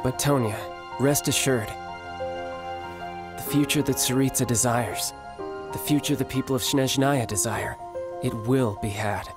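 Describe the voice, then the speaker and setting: An actor playing a sly, battle-hungry young warrior in a video game, with smooth, confident, theatrical delivery. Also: male voice, mid-range voice, a little slow, long pauses, natural voice. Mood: tender, resolute. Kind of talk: scripted video game character monologue. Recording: loud game trailer music behind.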